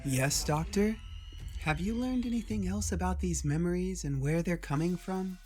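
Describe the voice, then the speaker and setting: A man's voice: sits high, normal speed, darkish tone, soft background music, pitched above the performer's own voice, close to an everyday voice. A man voicing a composed, inquisitive female doctor with a questioning, matter-of-fact manner in a narrated sci-fi story.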